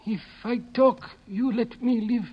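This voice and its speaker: An actor in a 1950s radio drama playing a frightened, servile foreign henchman who speaks deferential, halting broken English on an old recording. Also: very high-pitched, fairly even intonation, husky, dull audio, exaggerated voice. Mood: pleading, terrified.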